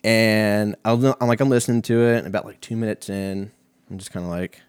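A man's voice: fairly low pitch, steady tone, a little fast, a little mellow, clean tone, dry recording. A young American man hosting a comedic monologue, telling stories in a rambling, profane, slangy way. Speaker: host of a comedic talk show.

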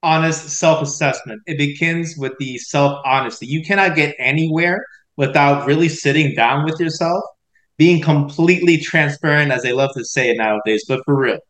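A man's voice: on the high side, normal speed, fairly bright tone, reverberant. A man on a podcast as a guest, talking emphatically and reflectively about looking at oneself honestly. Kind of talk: reflective conversation.

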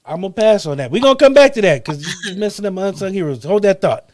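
A man's voice: sits high, animated. A man hosting a rowdy podcast chat, reading out a comic list with hyped jokes and laughs. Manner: hyped, joking, quick bursts with laughs. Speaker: podcast host. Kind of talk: comedic segment in a group podcast chat.

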